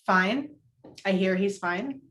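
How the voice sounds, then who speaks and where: A woman's voice: medium pitch, slow pace, fairly bright tone. Actress playing an earnest, newly single New York woman. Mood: brisk, guarded. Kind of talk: table read of romantic comedy film script. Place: indoors, virtual video-call table read.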